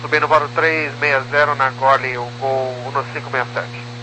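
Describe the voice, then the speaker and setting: A man's voice: mid-range voice, level tone, normal speed. A Brazilian man, an airline pilot, giving terse procedural readbacks over a crackly aviation radio. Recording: noisy, humming cockpit radio transmission.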